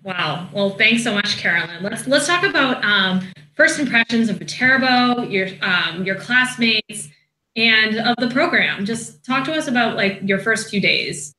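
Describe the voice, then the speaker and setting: A woman's voice: fairly high pitch, lively intonation, a little slow, sharp tone, roomy sound, low-quality recording. A woman hosting an online alumni hangout, friendly and upbeat, with many "um"s and "uh"s. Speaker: admissions marketing manager hosting an online hangout. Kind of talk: casual moderated video chat.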